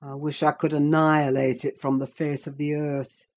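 A man's voice: on the high side, flat delivery, moderate pace, darkish tone, dull audio, lightly acted. A performer playing a brooding, haunted, sleepless older man in a dramatic audiobook, speaking in grave, intense declarations. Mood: weary. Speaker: character in an audiobook.

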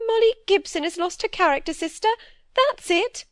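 A timid old spinster lady, as a woman narrator puts her on, her voice lifted high and quavering with worry. She pleads and frets in a fluttering rush, on the edge of tears. The sound is dry and close. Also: expressive, moderate pace, no echo. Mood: fretful.

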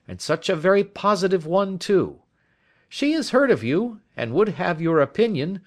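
Self-assured police inspector, high and brisk, for a storybook reading, as a male narrator puts him on. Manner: condescending, confident.

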